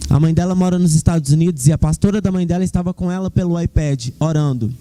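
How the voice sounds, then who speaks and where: A man's voice: on the high side, quick pace, dark tone. A young man giving a fervent church testimony, speaking directly to the congregation. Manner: fervent, addresses the congregation as "queridos".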